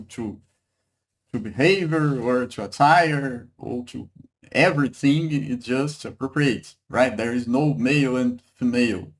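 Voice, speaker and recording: A man from Brazil with a Brazilian Portuguese accent, teaching a Hebrew lesson in English, halting and repeating words, checking in with "okay?" and "right?". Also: on the high side. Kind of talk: online language lesson.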